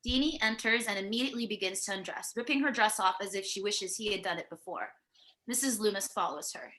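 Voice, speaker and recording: A woman narrates a screenplay at a remote virtual table read, reading out scene headings and stage directions. Her medium-pitched voice is bright and forceful, though the recording is low quality.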